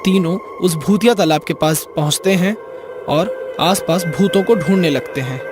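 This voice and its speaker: A man's voice: high voice, moderate pace. A man narrating a scripted cartoon horror story as its storyteller. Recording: music behind the voice.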